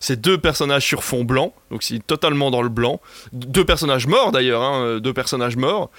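A man co-hosting a film podcast, chatting quickly and joking. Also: medium pitch, a bit bright, dry recording. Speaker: podcast co-host. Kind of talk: casual film review chat.

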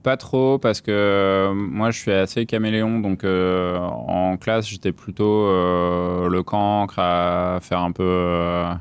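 A man's voice: low voice, flat delivery, slow pace, hardly any pauses, smooth. A man in his thirties from southern France with no regional accent, answering interview questions in a casual, hesitant way with many fillers. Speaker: guest, company founder.

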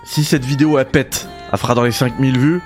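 A man's voice: medium pitch, steady tone, fast, faint music behind. Sarcastic man ranting about games. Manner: mock-outraged, ironic, familiar. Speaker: gaming video host. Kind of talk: sarcastic gaming rant.

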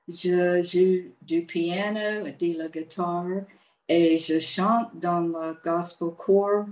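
A woman's voice: lowish voice, a little mellow, roomy sound, poor audio. An older woman from Virginia with an American accent, a native English speaker answering interview questions carefully. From United States, Virginia. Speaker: guest.

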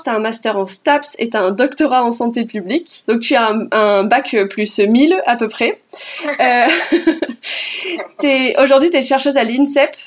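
A woman hosting a podcast interview, speaking thoughtfully and casually in a chatty way with frequent fillers. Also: fairly high pitch. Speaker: podcast host.

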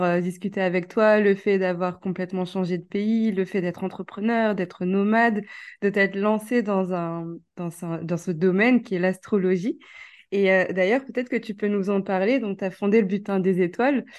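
A woman's voice: mid-range voice, darkish tone. A woman hosting a podcast, enthusiastic and upbeat as she introduces and interviews a guest. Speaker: podcast host, coach.

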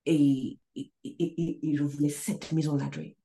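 A middle-aged woman success coach talking in a casual interview, emphatic and animated, swearing now and then. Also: low voice, a little slow, vocal fry, a little hiss or hum. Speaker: success coach, podcast guest.

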